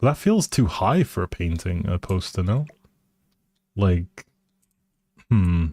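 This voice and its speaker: A man's voice: deep voice, lively intonation, slow pace, darkish tone, no echo. A man live streaming a video game with casual, hesitant commentary, thinking aloud and often trailing off. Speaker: live streamer playing a life simulation game.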